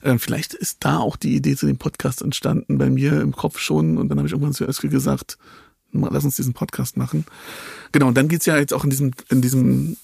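A man's voice: medium pitch, fast, creaky, hardly any pauses, a little mellow, breathy edge, no room sound, clean studio sound. A man hosting a podcast interview, talking casually and hesitantly with many fillers and restarts. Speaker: podcast host.

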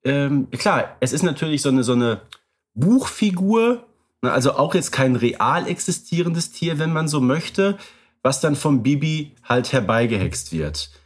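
Male podcast co-host, calm and measured, with dry irony. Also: mid-range voice. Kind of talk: casual podcast discussion.

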